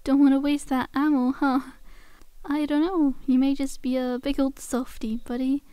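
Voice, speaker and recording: A woman's voice: high-pitched, little pitch movement, normal speed, mellow, dry recording, lightly acted. A woman playing a cheeky, cajoling undead zombie girl in an ASMR roleplay, with a casual, teasing, conversational delivery. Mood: sheepish, relieved.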